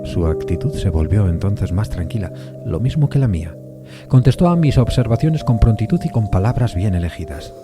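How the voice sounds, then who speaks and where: An actor playing a courteous, uneasy gentleman who recounts an eerie encounter in formal, deliberate suspense narration. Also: on the low side, expressive, music in the background, lightly acted. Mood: measured suspense. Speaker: narrator of an audio drama. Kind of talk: dramatized first-person suspense story narration.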